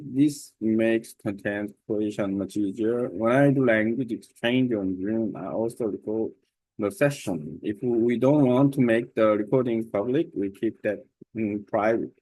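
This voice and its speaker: A man with a Korean accent, a native Korean speaker, reading his own prepared text aloud in a careful, deliberate way with small slips. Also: fairly low pitch, dark tone, no echo, poor audio. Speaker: language learner sharing his study method.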